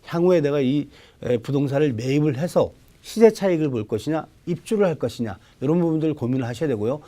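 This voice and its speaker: Mellow, higher-voiced man giving expert advice. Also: expressive. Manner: halting explanation with repeated phrases and polite formal endings. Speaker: real estate expert on a TV advice show. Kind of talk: unscripted expert consultation.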